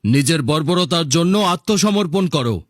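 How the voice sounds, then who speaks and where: A man playing a defiant, devout Muslim man in a cartoon, speaking deliberately. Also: a little high, animated, dry recording, clean studio sound, lightly acted. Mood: bold, demanding. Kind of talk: cartoon dialogue and slogans.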